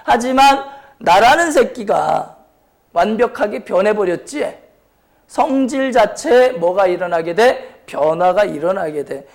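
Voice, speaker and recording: A man's voice: sits high, lively intonation, unhurried, gravelly. A man with a strained, sore throat lecturing as a science teacher, blunt and informal, often putting questions to the class. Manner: question-and-answer delivery, repeatedly prompting students; blunt, informal speech to students. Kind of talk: high school chemistry lecture.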